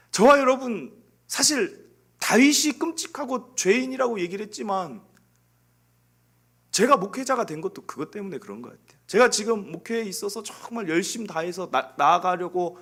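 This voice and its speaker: A man preaching a sermon as pastor from a church pulpit, earnest and confessional, swinging from loud emphasis down to hushed, near-whispered lines. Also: high-pitched, husky.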